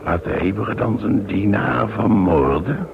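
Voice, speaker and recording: Slow, gravelly anxious deportee. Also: male voice, on the low side, animated, heavily acted. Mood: anxious doubt. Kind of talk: Dutch radio play acting. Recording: dull old recording, clear noise.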